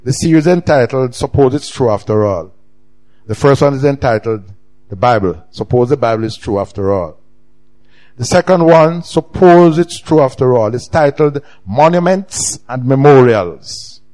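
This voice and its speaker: A middle-aged man with a Jamaican accent, preaching a sermon with emphatic swings in pitch and loudness. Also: animated, moderate pace. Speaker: pastor.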